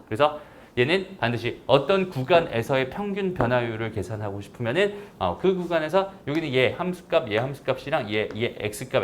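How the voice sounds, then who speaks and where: A man teaching a recorded math lecture in a casual way, often checking understanding with quick tag questions. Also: mid-range voice, a little hiss or hum.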